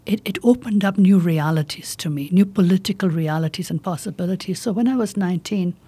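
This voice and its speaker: A woman in her fifties speaks with a slight South Asian accent and a soft-edged, husky tone. She gives earnest, conversational interview answers in deliberate short phrases, her timbre dark and mellow. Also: fairly low pitch. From India and Pakistan. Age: 50s. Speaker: political candidate, interview guest.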